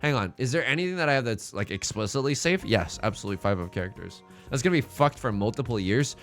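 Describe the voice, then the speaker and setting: A young man streaming from home, tired but still quick with a joke, his voice bright and lively as it jumps around his range. He swears freely and banters with chat. Faint game music plays underneath. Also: medium pitch. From born in China, raised in the United States. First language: Mandarin Chinese. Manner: quick, joking and profane, talking to chat. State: exhausted. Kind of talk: casual livestream commentary while playing a game.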